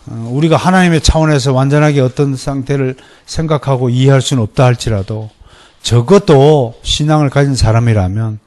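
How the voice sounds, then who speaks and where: A middle-aged male pastor with a Gyeongsang accent, preaching a sermon lecture in a lively, animated way, often mimicking others. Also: mid-range voice, brisk. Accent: Gyeongsang Korean. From Gyeongsang region, Korea. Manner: lively, animated, mimics people in quoted voices.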